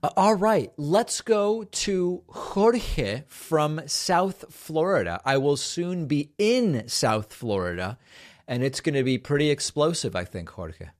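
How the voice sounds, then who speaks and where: Measured male call-in host. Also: a little high, lively intonation. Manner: measured, thinks aloud with restarts. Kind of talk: call-in show hosting.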